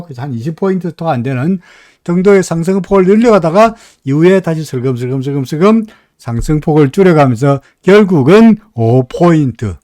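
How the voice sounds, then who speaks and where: Here a middle-aged Gyeongsang native hosts a live stock market show, his Korean marked by the regional accent. The voice is fairly high in pitch yet darkish in tone, recorded dry at studio quality. He keeps things homespun and conversational, often tossing "right?" to his listeners.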